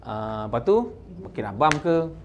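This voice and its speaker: The recording is lo-fi with slight background noise: a Malaysian-accented man with a mid-range voice at normal speed coaches insurance agents in sales. He weaves English terms into Malay, stresses words lively, and checks in with "kan?" often.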